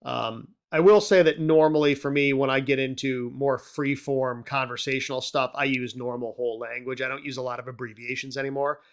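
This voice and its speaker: A man's voice: mid-range voice, steady tone, brisk, hardly any pauses, clear, resonant tone. A man talking as an instructor in a casual, unscripted tutorial, reassuring and conversational, often checking in with the listener. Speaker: amateur radio instructor and video host.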